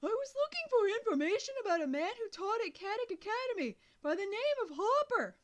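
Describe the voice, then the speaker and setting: A woman doing an eager, high boy genius. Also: sing-song, fairly quick. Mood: shouting. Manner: loud, high and insistent.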